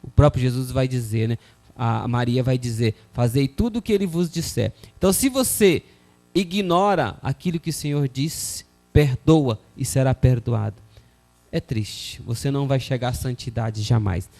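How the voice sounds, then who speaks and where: Over soft background music, a man with a warm, gravelly mid-range voice talks at a moderate pace. Hosting a Christian television talk show, he reads scripture and viewer messages, preaching earnestly on forgiveness and often saying "né?".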